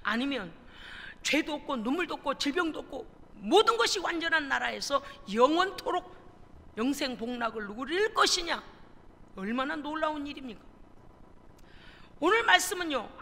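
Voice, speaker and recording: A woman's voice: high voice, pushed and bright. A woman pastor preaching a sermon in a church, earnest and full of rhetorical questions. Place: church sanctuary. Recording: reverberant church hall, faint noise.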